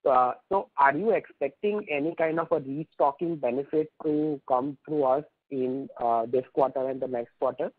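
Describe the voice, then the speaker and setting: A man's voice: mid-range voice, moderate pace, hardly any pauses, slightly rough, dry recording. A man with an Indian accent, an analyst putting questions to management on an earnings call, polite, wordy and hesitant. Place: conference call by phone. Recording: dry, narrow tinny phone line.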